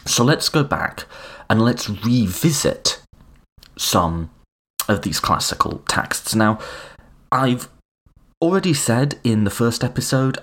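A man's voice: low voice, fairly bright tone, breathy edge. A man hosting a podcast, explaining political philosophy in a conversational lecturing way with wry asides. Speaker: podcast host.

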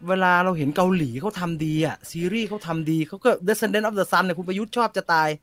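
Chatty joking man, slightly high voice. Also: a little fast, a bit bright. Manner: chatty, joking, polite particles mixed with slang. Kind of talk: casual podcast banter.

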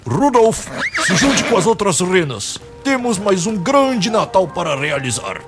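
High, animated Brazilian old Santa. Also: male voice, unhurried, music in the background. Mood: jolly, grand. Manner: grandiose, theatrical. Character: jolly, scheming old male Santa Claus. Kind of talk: comedic amateur radio play.

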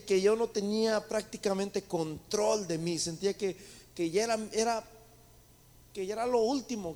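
High-voiced pastor preaching. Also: male voice, a little mellow. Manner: rising to emphatic peaks, addressing the congregation as brothers. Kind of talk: sermon.

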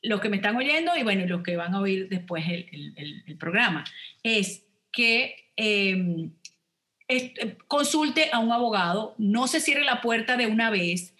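Bright-voiced immigration lawyer woman. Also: medium pitch, expressive, unhurried. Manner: explanatory, repeats with ok? checks. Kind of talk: radio call-in advice talk.

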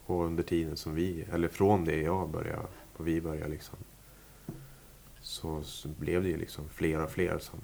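A man's voice: a bass voice, little pitch movement, creaky, darkish tone, a little hiss or hum. A man, a musician, talking casually in an interview, rambling with many fillers and restarts. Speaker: musician guest. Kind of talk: relaxed interview talk.

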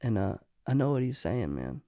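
A man's voice: medium pitch, very animated, normal speed, creaky, mellow, no room sound. Man, middle-aged, songwriter, casual chat, rambling, dry close sound. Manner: rambling, restarts often, says "you know" a lot. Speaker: songwriter guest. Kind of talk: casual podcast conversation.

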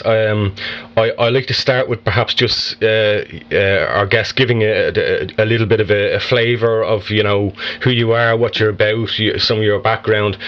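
A man hosting an interview, asking questions in a halting way full of fillers and restarts. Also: lowish voice, highs cut off. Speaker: podcast host.

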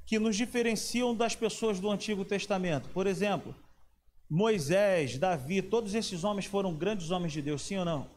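Male preacher, high pitch, chatty sermon delivery, faint noise. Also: a little mellow. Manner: conversational, asks the audience questions.

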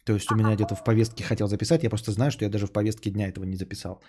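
A young man hosting a podcast, reading out donations and chatting casually, sarcastic and rambling, often trailing off into low mutters. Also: little pitch movement, racing, mellow, husky. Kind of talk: casual stream chat.

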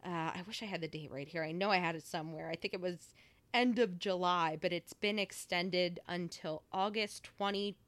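A woman's voice: lowish voice, steady tone, moderate pace, a bit bright, no echo. Chatty young woman, dry close mic. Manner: chatty, many fillers like "like" and "you know". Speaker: podcast co-host. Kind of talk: casual chat.

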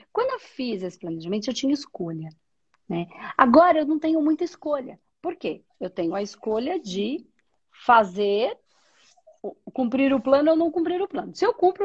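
A woman's voice: high-pitched, darkish tone, husky, lo-fi sound. A woman talking about spirituality, reflective, often asking questions and answering them herself. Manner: reflective, asks and answers her own questions. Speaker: spiritual teacher. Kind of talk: spiritual conversation.

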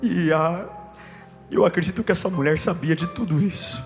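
High-voiced preacher in an echoing hall. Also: male voice, moderate pace. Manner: emphatic and repetitive, swinging between hushed and forceful. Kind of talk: sermon. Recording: long hall reverb with soft music behind.

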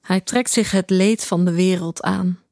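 An actress playing a detached, introspective woman who narrates her own story in a deadpan, reflective way for an audio drama. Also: fairly low pitch, measured pace, noisy background. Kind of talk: scripted first-person audio drama narration. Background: music.

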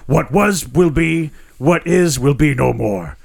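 A man doing a rasping, menacing dark spirit. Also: a little high, voice pushed up, full character voice. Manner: slow, grave, menacing delivery. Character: ancient sinister male spirit, rasping and commanding.

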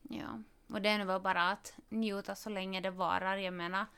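A woman talks about family life in a relaxed, chatty podcast style. Her middle-pitched voice carries a steady gravelly fry. She tells stories in lively bursts, full of quick asides. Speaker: parent of three expecting a fourth. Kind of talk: casual podcast conversation.

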